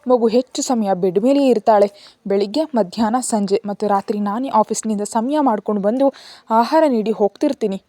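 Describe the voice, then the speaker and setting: A woman's voice: fairly high pitch, normal speed, mellow, dry recording, natural voice. A woman voicing a stern, wealthy young father who is guarded and commanding, speaking in curt orders.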